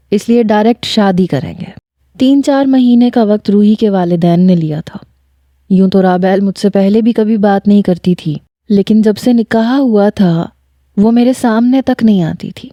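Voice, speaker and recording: A woman storyteller reads a first-person tale in a calm, measured way. Her voice is dark and mellow, with a dry recording and no room sound. The pitch sits at a middle level for a woman. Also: dry recording.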